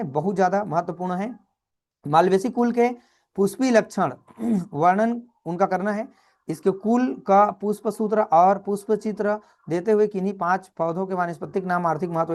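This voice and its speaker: A man, teaching a brisk exam revision lesson and calling his students children. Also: sits high, a little mellow.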